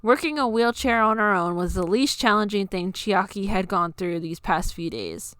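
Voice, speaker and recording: A woman's voice: mid-range voice, lively intonation, moderate pace, fairly bright tone, clear, resonant tone, no room sound. A woman reading a scripted story aloud as its narrator. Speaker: narrator reading own fan fiction.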